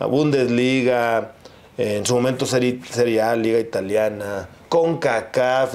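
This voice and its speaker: Using fairly even intonation, a man talks at a very slow pace. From Mexico, Torreón. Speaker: football commentator. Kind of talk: interview conversation. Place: studio. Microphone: lapel.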